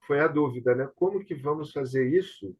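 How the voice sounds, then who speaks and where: A man's voice: on the high side, fairly quick, a little mellow, breathy edge. Brazilian man, dull video-call sound. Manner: explanatory, often seeking agreement with tag questions. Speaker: host and theatre director. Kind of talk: casual online discussion.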